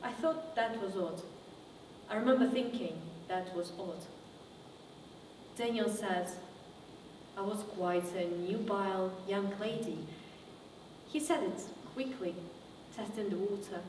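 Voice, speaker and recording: A woman acting a theatrical monologue as a haunted woman looking back on her past, with deliberate, halting delivery. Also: mid-range voice, natural voice. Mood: subdued, uneasy. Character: woman recounting childhood memories, wry then wounded and haunted. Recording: echoey reverberant room, distant mic, faint noise.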